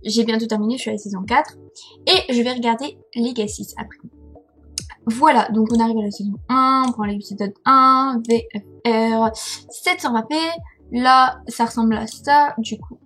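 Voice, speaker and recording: Chatty young French woman, husky voice. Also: fairly high pitch, a bit bright. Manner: chatty, hesitant, many fillers and self-corrections; laughs at herself. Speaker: vlogger. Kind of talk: casual screen-recording tutorial. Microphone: headset.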